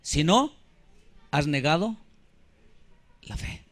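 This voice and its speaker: A man's voice: a little high, animated, slow, fairly bright tone. A man, preaching a sermon as pastor with emphasis, keeps putting questions to the congregation. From Mexico. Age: 50s.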